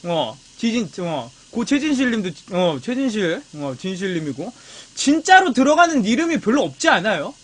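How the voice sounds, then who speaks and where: High bright-voiced man chatting while grilling. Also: very animated, moderate pace. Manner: chatty, teasing, talks to chat as friends. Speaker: live-stream mukbang host. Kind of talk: casual live-stream chat while grilling. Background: meat sizzling on a grill.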